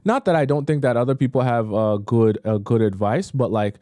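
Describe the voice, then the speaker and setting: A man's voice: mid-range voice, brisk, warm tone, no room sound, clean studio sound. A young man coaching on dating during a live stream, talking casually with lots of fillers and reacting in disbelief to viewer messages. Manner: casual, chatty, frequent fillers, reacts with disbelief while reading. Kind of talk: live-stream advice, reading viewer questions aloud.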